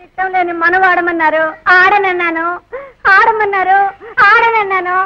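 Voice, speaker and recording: A woman's voice: extremely high pitch, fairly even intonation, normal speed, heavy background noise. An actress playing a naive young village woman who talks in a plaintive, tearful way, on an old film soundtrack. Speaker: runaway bride, later a wife. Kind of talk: film acting. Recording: dull lo-fi film soundtrack with score.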